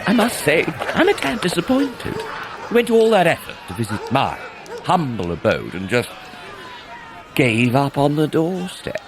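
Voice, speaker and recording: An actor playing a theatrical dark elf tyrant in an audio drama, mocking and grandiose, drawing out his words. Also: fairly high pitch, wildly swooping pitch, a crowd in the background, background noise, full character voice. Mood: mocking, menacing. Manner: mocking, grandiose, drawn-out delivery.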